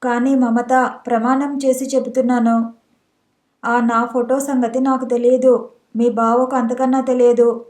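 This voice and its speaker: A woman's voice: on the high side, little pitch movement, measured pace, a little mellow, close to an everyday voice. A woman reading the part of a kind young woman who soothes and coaxes her upset friend. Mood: earnest. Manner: soothing, coaxing. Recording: roomy echo.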